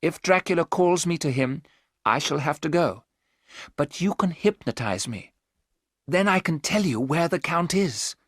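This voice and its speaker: A man reading aloud, voicing a young woman under a vampire's spell who speaks in a grave, hushed way. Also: a little high, expressive, unhurried, husky, no room sound, clean studio sound, voice pushed up.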